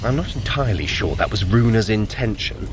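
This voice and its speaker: Male actor as a dry, sarcastic trickster god, audio drama; slightly low pitch, lively intonation, noisy ambience. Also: brisk, natural voice. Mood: wry. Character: sardonic trickster god, adult man, vain and dry-witted younger brother. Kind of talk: audio drama acting for a running story.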